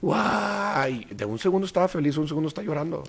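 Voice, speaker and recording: A man with a Mexican accent, a guest actor in a casual interview, telling animated stories and acting out quoted voices. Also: a little high, very fast.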